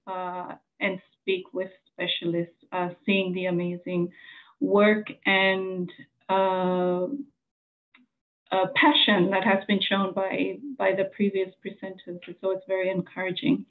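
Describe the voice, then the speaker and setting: A Samoan woman journalist in her forties giving an earnest conference presentation, pausing often with fillers. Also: mid-range voice, flat delivery. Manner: earnest, halting with many fillers. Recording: tinny phone-like sound.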